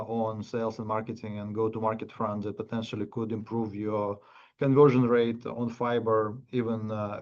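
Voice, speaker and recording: A man asking questions as a financial analyst on an earnings call, speaking haltingly with stammered repeats, over lo-fi audio. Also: lowish voice, a little mellow.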